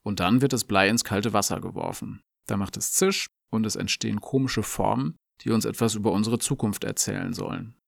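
A man presenting a language lesson, explaining in a calm, clear scripted dialogue. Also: fairly low pitch, fairly quick, no room sound, clean studio sound.

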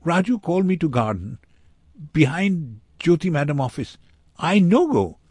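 A man voicing a desperate young Indian street boy in a storybook, speaking broken, halting English in short bursts with a thin, high voice. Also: sing-song, darkish tone, slightly rough, no echo, clean studio sound. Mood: distressed recounting.

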